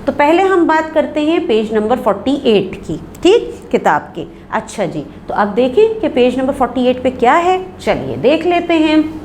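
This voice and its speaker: Lively Pakistani Urdu woman teacher. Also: high-pitched, a little hiss or hum. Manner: explains slowly, reads examples aloud with stretched words. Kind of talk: online classroom lesson.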